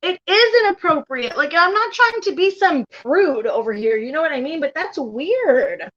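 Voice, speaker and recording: A woman's voice: sits high, expressive, normal speed, a bit bright. A woman hosting a casual commentary stream, blunt and profane, laughing often as she reacts. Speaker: YouTube commentary host. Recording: slightly dull lo-fi sound.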